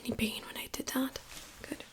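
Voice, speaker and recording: A woman softly whispering in an ASMR medical exam roleplay, giving slow, gentle, attentive instructions as the examiner. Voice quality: soft breathy whisper.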